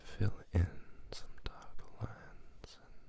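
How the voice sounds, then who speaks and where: The pace is very slow. A man whispers it. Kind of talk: ASMR talk to camera. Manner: whispered and soft-spoken.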